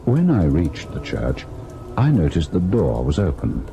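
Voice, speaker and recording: Casting: haunted devoted husband, low voice, expressive theatrical radio storytelling, slightly noisy old recording. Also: male voice, unhurried, vocal fry, full character voice. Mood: brooding. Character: devoted young husband narrating his terrifying ghost encounter. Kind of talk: dramatic old-time radio first-person narration.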